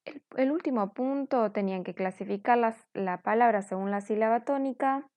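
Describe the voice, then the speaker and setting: A woman's voice: fairly high pitch, moderate pace, no echo, highs cut off. A woman teacher going over corrected grammar exercises in a patient, explanatory way, often checking in with her students. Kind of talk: recorded class correction lesson.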